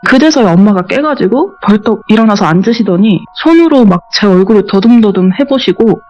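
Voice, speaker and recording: A woman guest telling a true ghost story in soft, conversational speech on a horror radio interview. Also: medium pitch, expressive, brisk. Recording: dull, muffled radio recording with faint music underneath.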